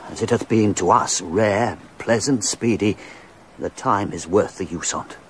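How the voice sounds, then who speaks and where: An actor playing a courtier awed by the oracle, speaking expressively in a radio drama. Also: male voice, on the low side, a little slow, a little hiss or hum, close to an everyday voice.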